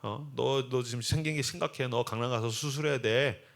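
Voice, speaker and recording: A preacher putting on a snide woman shopkeeper from next door who teases and belittles. She speaks a little lower and quieter than his usual preaching, with a mocking bite. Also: normal speed, vocal fry, close to an everyday voice. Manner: snide, teasing.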